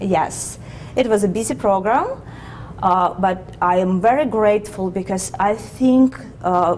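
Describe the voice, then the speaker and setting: Woman of medium pitch with a Russian accent, fairly slow and full of long, frequent pauses, ordinary pitch variation, noticeable background noise behind her. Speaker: oncologist. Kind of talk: interview. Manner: halting.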